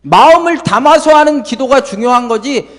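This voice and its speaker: A male pastor preaching a sermon to his congregation, lively and full of rhetorical questions. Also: very high voice, moderate pace, in a large hall. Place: church sanctuary.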